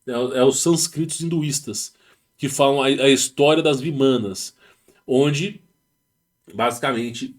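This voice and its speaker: A man with a Brazilian Portuguese accent hosting his channel, reading a text aloud and breaking off into rambling, slangy asides with many restarts. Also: mid-range voice. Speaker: channel host. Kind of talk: casual talk reading and commenting on a text. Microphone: home setup with rural internet.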